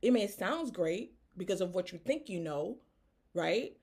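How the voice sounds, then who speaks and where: Woman coach, Haitian accent, lowish voice, earnest and direct, keeps checking in with "right?". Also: animated, measured pace, a little mellow, husky. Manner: earnest, tags statements with "right?". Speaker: business coach. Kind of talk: motivational talk to camera.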